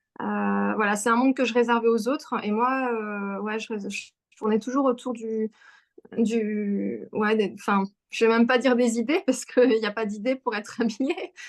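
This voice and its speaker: Over a quiet background, a woman talks at a moderate pace with a fairly high pitch and fairly even intonation. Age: 30s. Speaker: coaching client giving testimony. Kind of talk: testimony interview. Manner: halting, many hesitations.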